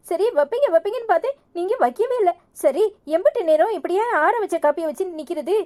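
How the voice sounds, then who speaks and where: A woman's voice: very high voice, darkish tone. A woman voicing a sulky young village woman in a cartoon, with a Tirunelveli Tamil accent and a pleading, self-pitying manner.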